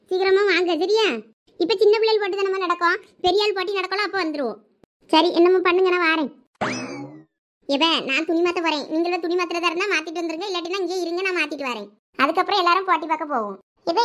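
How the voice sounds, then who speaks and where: High, bright Thoothukudi village woman. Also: quick pace, muffled recording. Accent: Thoothukudi Tamil. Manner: scolding, lively village banter. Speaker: cartoon narrator voicing village women. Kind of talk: cartoon voice acting.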